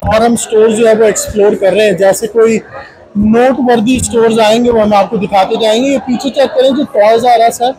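High-pitched South Asian man vlogging. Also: steady tone, normal speed, dark tone, poor audio. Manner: chatty, playful, code-switching into English. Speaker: vlog host. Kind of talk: casual walk-through vlog commentary. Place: inside a large shopping mall.

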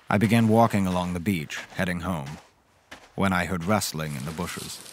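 An actor playing a smitten, gentlemanly man recounting a dark horror romance in an audio drama. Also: low voice, slight background noise. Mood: disappointed, searching. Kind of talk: dramatic first-person audio drama narration.

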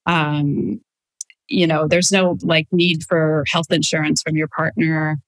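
A woman's voice: low voice, level tone, slow, dry recording, low-quality recording. A woman in her thirties from Denmark, speaking tentatively and reflectively in a conversational interview. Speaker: psychologist guest, relationship podcaster. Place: home room, indoors. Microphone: video call, wearing headset.

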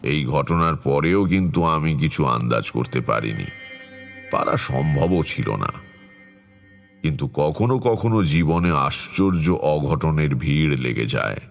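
An actor playing a brooding tantrik storyteller, narrating his eerie past in a measured, reflective horror audio drama. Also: a bass voice, animated, vocal fry, soft background music, full character voice.

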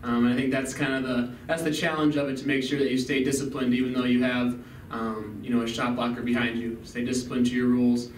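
A man's voice: mid-range voice, little pitch movement, fast talker. A young male college basketball player answering postgame press questions steadily, with frequent "um, you know.". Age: young adult. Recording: echoey room, mic at a distance, background noise.

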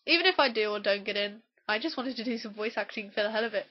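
A woman's voice: medium pitch, fast talker, dull audio. A young woman with a cold, casually introducing herself as an amateur voice actor. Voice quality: congested with a cold.

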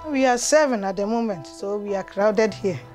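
A middle-aged mother interviewed in her living room, speaking in slow, simple phrases. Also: mid-range voice, over music. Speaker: parent. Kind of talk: documentary interview.

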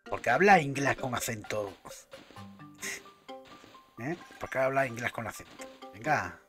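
A man's voice: mid-range voice, expressive, measured pace, over music. A man casually commentating a game, chatting to himself and swearing now and then. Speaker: gameplay commentator.

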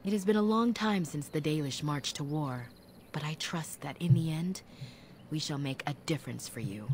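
An actress playing a solemn female elf keeper in a fantasy video game, speaking in a measured, formal, grave way. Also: low-pitched, expressive, darkish tone, a little hiss or hum. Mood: calm, grave. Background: game music.

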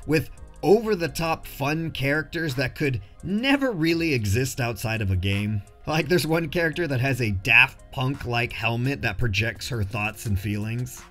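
A man's voice: mid-range voice, bright, forceful tone. A man narrating a casual scripted film review in a jokey, slangy way.

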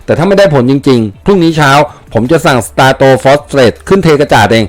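A man's voice: mid-range voice, animated, normal speed, no room sound, close to an everyday voice. Man reading as a hawkish army colonel. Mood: commanding. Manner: forceful, emphatic orders. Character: blunt hawkish American male colonel commander.

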